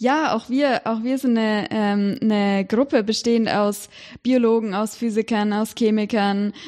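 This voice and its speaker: A woman speaks in an unremarkable speaking voice with a fairly high pitch. Her pace is moderate and her intonation fairly even. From Germany, Erlangen (Franconia). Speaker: scientist, synthetic biology researcher. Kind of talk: interview, casual chat.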